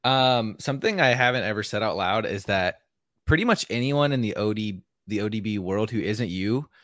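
Low-voiced man, rambling podcast co-host. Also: lively intonation, moderate pace, fairly bright tone, no echo, clean studio sound. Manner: rambling, chatty, lots of "like". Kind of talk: casual podcast chat. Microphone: handheld microphone.

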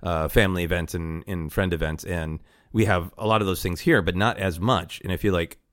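A man with a deep voice hosts a casual podcast. He is wry and playful in an easy conversational way. The sound is dry and close. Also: steady tone, brisk, fairly bright tone, no echo. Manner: chuckles often, wry and playful. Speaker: podcast host.

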